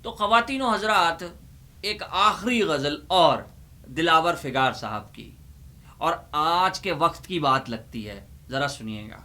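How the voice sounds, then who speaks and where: Guy hosting funny poetry reading, higher sharp voice, really dramatic and emphatic. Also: expressive. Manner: theatrical, emphatic, repeats lines for effect. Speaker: host and poetry reciter. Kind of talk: dramatic recitation of humorous Urdu poetry.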